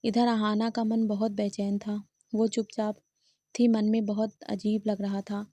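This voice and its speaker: A woman's voice: medium pitch, little pitch movement, a little slow, warm tone, dry recording. A woman storyteller reading a family drama aloud, voicing every character in much the same voice. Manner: reads all characters in her own voice, little change. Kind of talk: scripted narration of a family drama.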